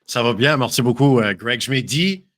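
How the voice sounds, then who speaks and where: Bright-voiced man mixing in English. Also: medium pitch, lively intonation, moderate pace. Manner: mixes English into French, self-conscious, hesitant. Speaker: guest. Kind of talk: casual podcast chat.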